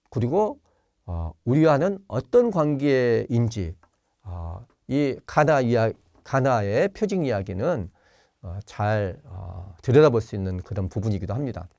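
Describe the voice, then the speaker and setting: Jeolla-born priest giving a lively lecture. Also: male voice, mid-range voice, vocal fry, dry recording, studio quality. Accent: Jeolla Korean. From Jeolla, Korea. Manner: gentle explaining tone with many pauses and fillers, acts out quoted lines. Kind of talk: online spiritual lecture. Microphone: video call.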